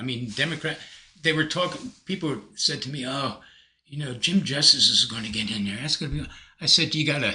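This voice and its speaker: With an American accent, a man speaks at a moderate pace in a bright, sharp tone marked by vocal fry. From New Jersey. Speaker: nurse anesthetist and coach. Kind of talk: casual interview chat. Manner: animated.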